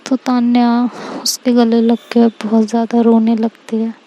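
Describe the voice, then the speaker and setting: Calm, even-toned woman storyteller. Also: on the high side, a little slow, low-quality recording. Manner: calm, even retelling with frequent linking fillers. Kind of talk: story narration.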